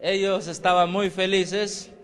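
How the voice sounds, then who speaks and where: Brief: man with a high voice, lively live interpreter, rushes and corrects himself. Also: clear, resonant tone. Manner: quick, animated translating with fillers and self-corrections.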